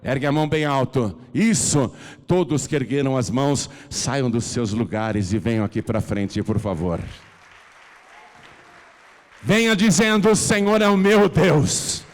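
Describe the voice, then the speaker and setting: A Brazilian man with a mid-pitched voice preaches a sermon, fervent and urgent. He drops into soft pleading, then swells into loud calls to come forward. A long church-hall reverb trails each phrase. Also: lively intonation, unhurried, a faint crowd. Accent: Brazilian Portuguese. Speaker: pastor. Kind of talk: preaching a sermon with an altar call.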